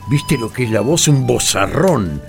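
A man's voice: mid-range voice, sing-song, measured pace, creaky, faint music behind. An actor playing an awed peasant man in a radio play, colloquial and full of wonder, with an Argentine accent. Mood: awed, hopeful. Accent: Argentine Spanish. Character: awed peasant man telling of a desert prophet.

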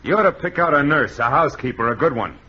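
A man playing a gruff old-time gangster bookie. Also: on the high side, lively intonation, fast talker, pushed and bright, heavily acted. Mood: bossy. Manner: clipped tough-guy slang, bossy. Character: gruff gangster bookie, tough but softening. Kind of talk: 1940s radio acting. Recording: dull old radio broadcast.

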